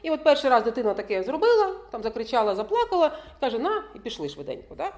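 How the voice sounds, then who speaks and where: Speaking to an audience of parents, a woman keeps checking in with her listeners and laughs often as she lectures. Her fairly high, darkish voice is very animated and very fast.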